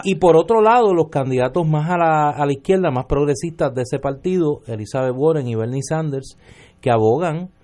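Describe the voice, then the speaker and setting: Against a quiet background, a man talks at a moderate pace with lively intonation and a dark, mellow tone. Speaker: radio co-host, political commentator. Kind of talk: political panel discussion.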